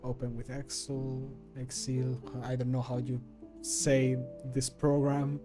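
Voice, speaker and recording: A man's voice: mid-range voice, completely flat delivery, takes it slowly, music in the background. A man in his thirties chatting casually on a livestream while he works, muttering and poking fun at himself. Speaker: streamer and amateur voice actor. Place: small home room, indoors.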